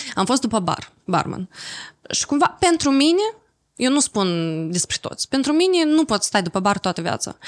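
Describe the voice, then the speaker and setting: A woman's pitch swings very widely. She keeps a moderate pace. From Moldova. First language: bilingual Romanian and Russian (speaking Romanian). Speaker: journalist. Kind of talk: interview. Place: studio. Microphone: studio mic.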